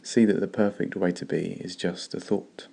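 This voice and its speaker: A man leading a guided meditation in a slow, calm, gentle way with long pauses. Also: low-pitched, vocal fry, breathy edge.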